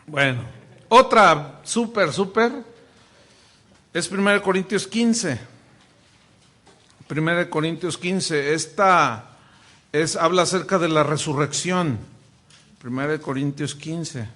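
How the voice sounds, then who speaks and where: A Mexican pastor teaching a Bible class, animated and joking, with lots of restarts. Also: male voice, fairly high pitch, slow, pauses often.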